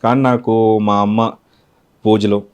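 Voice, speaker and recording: Calm, reflective man being interviewed. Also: lowish voice, takes it slowly, smooth. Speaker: mimicry artist, interview guest. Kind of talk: interview answers.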